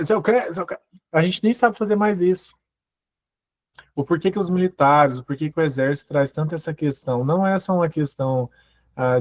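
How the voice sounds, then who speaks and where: A personal growth speaker with a slightly high voice and darkish tone gives a motivational talk, firing question after question at his audience. The audio has no echo but sounds dull and muffled.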